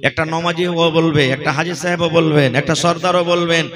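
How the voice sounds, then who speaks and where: A man preaches in regional Bengali from Purnia, Bihar. His voice is bright and forceful, set a little high. He keeps throwing questions out to the crowd as he goes. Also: fairly even intonation, normal speed. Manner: fires rhetorical questions at the crowd. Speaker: Islamic preacher. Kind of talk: sermon at a religious gathering.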